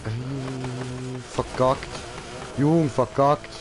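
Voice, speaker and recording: A man's voice: mid-range voice, flat delivery, very slow, background noise. A man with a Swiss German accent chatting casually while streaming a game, giggly, jokey and full of slang. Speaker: gaming streamer reading and answering chat. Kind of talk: casual gaming chat.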